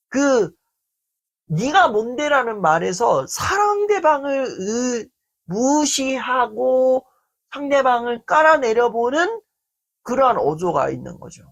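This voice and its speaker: A man giving a self-esteem lecture and answering a viewer's letter. He speaks in an animated way and acts out quoted speech. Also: very high-pitched, vocal fry. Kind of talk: talk-show style self-esteem lecture.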